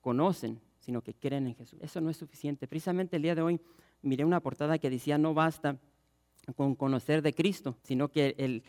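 A man preaching a passionate sermon as pastor, reading scripture and acting out the crowd's shouts. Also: on the high side, a little fast.

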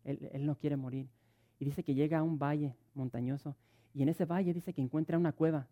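Warm preacher, stumbling restarts. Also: male voice, fairly high pitch, fairly even intonation, a little fast. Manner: storytelling with many stuttered restarts. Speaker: pastor. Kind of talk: sermon.

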